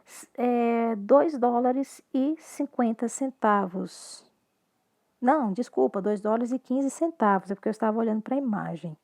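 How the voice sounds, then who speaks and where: A Brazilian-accented woman teaches a recorded English class, mixing English and Portuguese as she speaks slowly and clearly. Her voice is on the high side and somewhat mellow.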